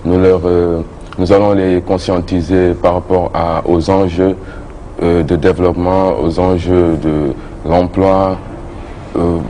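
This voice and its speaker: A man's voice: low-pitched, little pitch movement, warm tone, a little hiss or hum. A young man from Senegal who leads a youth association, speaking earnestly as a guest on a morning TV show. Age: young adult. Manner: earnest, measured, with filler pauses. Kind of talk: casual morning-show talk.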